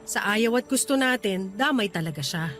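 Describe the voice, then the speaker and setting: Isang babaeng gumaganap sa dramang pag-ibig sa radyo bilang prangka at malungkot na dalagang nakikipaghiwalay sa nobyo. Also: female voice, medium pitch, expressive, normal speed, fairly bright tone, faint music behind, close to an everyday voice. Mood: subdued. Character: unhappy young woman bluntly breaking up with her boyfriend. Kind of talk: radio romance drama acting.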